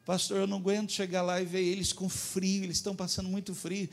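A man preaching, acting out a tearful friend who urgently pleads for help with warm clothes. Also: sits high, completely flat delivery, fast, vocal fry, voice pushed up. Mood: pleading.

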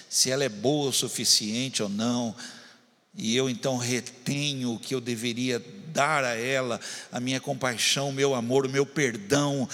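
A man's voice: medium pitch, fairly bright tone, big-room sound. A man preaching a sermon, talking straight to his congregation and building intensity. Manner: preaching with rising intensity, addressing the congregation directly. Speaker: pastor.

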